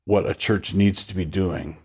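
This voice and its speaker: An older man, a pastor, talking in a relaxed studio interview, wandering through his points with restarts and a wry chuckle, on a lapel mic. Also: low-pitched, measured pace, breathy edge. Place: studio set with bookshelves.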